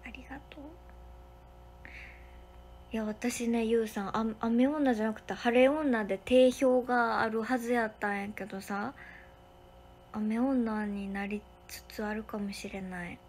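Young woman streaming from a hotel room, reads out viewer comments, kinda high voice, goes whispery now and then. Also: steady tone, measured pace, slight background noise. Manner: chatty, thanks viewers one by one, drops into soft whispers. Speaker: livestream host. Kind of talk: casual livestream chat, reading viewer comments.

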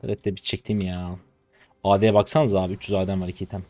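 A man in his twenties from Turkey giving casual live commentary on his own gameplay, chatty and trash-talking, with sudden loud excited shouts, on a close desk mic. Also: low-pitched, fast talker. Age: 20s. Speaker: gaming streamer.

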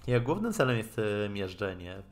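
Low-voiced Polish man streaming a game. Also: very animated. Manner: halting, thinking aloud, casual swearing. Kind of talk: live game stream, translating dialogue aloud and commenting. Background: game music.

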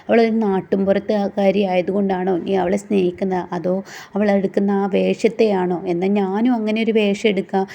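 A woman's voice: medium pitch, level tone, brisk, vocal fry, warm tone, close to an everyday voice. A woman voicing a jealous scorned young woman. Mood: pleading. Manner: pleading then bitter and threatening. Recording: dull lo-fi recording.

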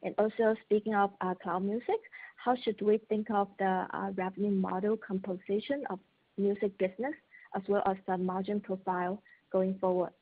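A woman's voice: mid-range voice, fairly even intonation, moderate pace. A woman with a Chinese accent, a native Mandarin speaker, asking questions as an analyst on an earnings call. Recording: tinny phone conference line.

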